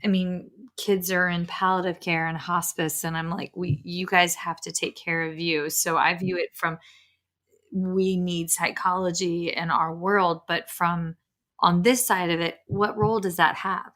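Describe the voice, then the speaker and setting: A woman's voice: lowish voice, little pitch movement, measured pace, a bit bright. A woman hosting a podcast, asking questions in a chatty, self-deprecating way. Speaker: podcast host. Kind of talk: conversational podcast interview.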